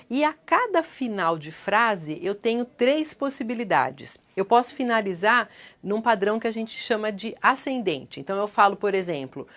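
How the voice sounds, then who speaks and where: A woman speaking as a coach, giving a measured, didactic lesson on speech delivery with deliberate pauses. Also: medium pitch, a bit bright.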